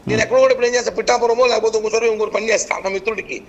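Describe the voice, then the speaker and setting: A man's voice: high voice, steady tone, racing. A man defending himself in a political debate, explaining at length with repeated false starts. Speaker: political party leader as debate guest.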